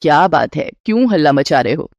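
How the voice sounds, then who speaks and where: A woman puts on a resourceful older mother-in-law for a cartoon story, her voice pitched lower than her narrating voice. She speaks in a soothing, reassuring way, with lively ups and downs. The recording is dry, with no room sound. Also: a little fast, no room sound.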